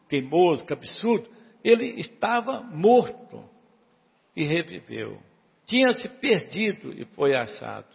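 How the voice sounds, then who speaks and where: A man preaching a sermon, animated, questioning his congregation and urging them to answer louder. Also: sits high, vocal fry, husky, big-room sound, dull audio. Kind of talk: sermon retelling a parable.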